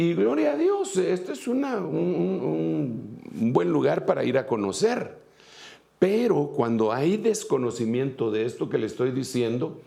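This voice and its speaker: A man's voice: mid-range voice, vocal fry, mellow. A man preaching a sermon, reading scripture aloud and then explaining it at a whiteboard with many fillers and asides.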